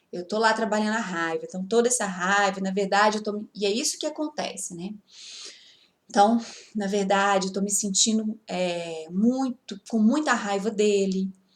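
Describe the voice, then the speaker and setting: A woman has an unremarkable speaking voice at medium pitch with ordinary pitch variation. She keeps a moderate pace. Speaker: self-help video host, EFT practitioner. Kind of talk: tutorial.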